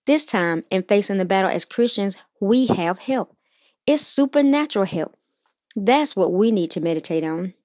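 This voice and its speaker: A woman's voice: mid-range voice, lively intonation, normal speed, darkish tone, no room sound, clean studio sound. Earnest woman giving faith-based encouragement. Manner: encouraging, earnest, reads scripture aloud. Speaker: podcast host. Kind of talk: Christian motivational podcast talk.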